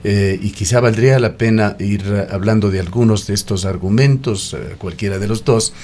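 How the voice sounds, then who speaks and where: A man hosting a radio interview, measured and prompting guests with frequent backchannels. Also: on the low side, a little mellow, slight background noise. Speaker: radio host. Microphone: studio microphone.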